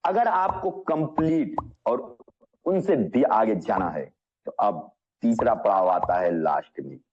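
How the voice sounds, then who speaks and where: A man giving an energetic motivational business session, asking the audience questions and calling them friends. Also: fairly low pitch, slow pace, breathy edge, dull audio.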